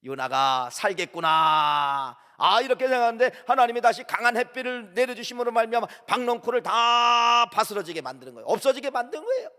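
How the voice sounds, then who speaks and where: Man, pastor, sermon, high voice, emphatic rhetorical questions, long reverberant church hall. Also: expressive, fast, few pauses, bright, forceful tone. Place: church sanctuary.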